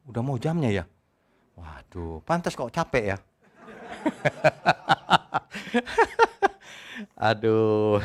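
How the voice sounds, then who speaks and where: A male pastor preaching a sermon in a church service, talking in a joking, conversational way that swings between loud exclamations and quiet asides. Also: medium pitch.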